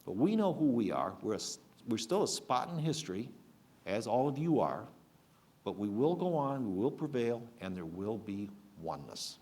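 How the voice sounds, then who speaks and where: An older man speaking earnestly to an audience, his pitch rising and falling with lively emphasis. He stumbles and restarts now and then as he builds toward his point. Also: normal speed. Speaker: speaker at a public program. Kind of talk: public talk.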